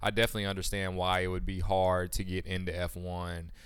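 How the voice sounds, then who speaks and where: A man's very deep, low voice with an American accent and monotone, flat intonation. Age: 20s. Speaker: podcast host. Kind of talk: explainer monologue. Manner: casual, laid-back.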